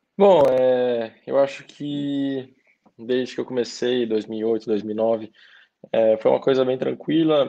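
This man's voice rises and falls in an ordinary way. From Maringá, Paraná, Brazil. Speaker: Formula 2 racing driver. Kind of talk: interview, casual chat. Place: home room. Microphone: video call.

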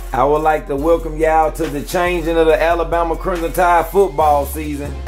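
Music is heard in the background. A man speaks at a moderate pace. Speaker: football commentator. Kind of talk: casual sports breakdown commentary. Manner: animated, emphatic.

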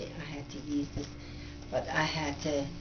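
There is noticeable background noise. A woman speaks at a very slow pace. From Navajo Nation, American Southwest. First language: Navajo. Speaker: rug weaver. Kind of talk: interview answer. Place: home room. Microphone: camera far.

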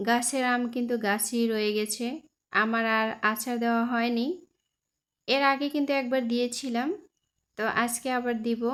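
A woman speaks at a high pitch with monotone, flat intonation and very even loudness. The recording is very clean, with a silent background. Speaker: village lifestyle vlogger. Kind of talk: casual vlog narration.

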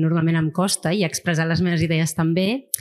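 The speaker is a woman. Her voice sits fairly low in pitch. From Catalonia. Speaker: novelist; guest. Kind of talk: panel talk at book event. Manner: halting. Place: hall. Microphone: handheld.

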